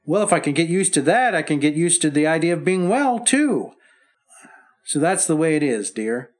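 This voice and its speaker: An actor playing a weary husband recovering from illness, speaking earnestly and tenderly in an old-time radio drama. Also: male voice, on the high side, big pitch swings, moderate pace.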